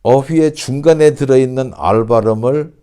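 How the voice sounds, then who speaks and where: A man teaching an online English pronunciation lesson, speaking slowly and deliberately and repeating example sentences. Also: mid-range voice, mellow, clear, resonant tone.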